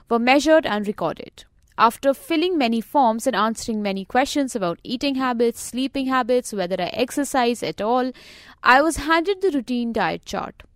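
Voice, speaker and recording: A middle-aged woman reading her own scripted personal story as a podcast narrator, measured, wry and reflective. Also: a little high, no echo, clean studio sound.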